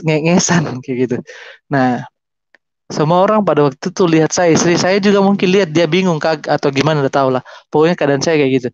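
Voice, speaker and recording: A man with a fairly high voice recounts his conversion as testimony, animated and vivid, acting out the voices in his story. The sound is dry and slightly muffled. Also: dry recording. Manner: animated, acts out voices and gestures while telling his story.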